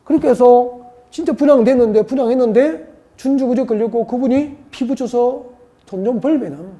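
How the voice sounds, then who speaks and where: A woman's voice: on the high side, brisk, dark tone. A woman from Seoul giving an exam-prep lecture, firing rhetorical questions and drilling mnemonics by repetition. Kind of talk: classroom lecture.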